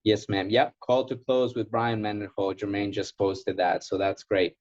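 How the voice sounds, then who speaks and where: A man's voice: lowish voice, level tone, normal speed, darkish tone, lo-fi sound. A man from Ecuador who speaks English as a second language, coaching informally in a question and answer session and repeating key phrases for emphasis. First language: Spanish. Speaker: sales trainer.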